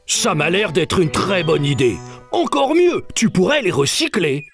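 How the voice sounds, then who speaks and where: Helpful outdoorsy ranger for kids' animation, lively melodic speech, teacherly manner. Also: male voice, high-pitched, unhurried, soft background music, heavily acted. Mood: friendly, instructive. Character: friendly, instructive male park ranger.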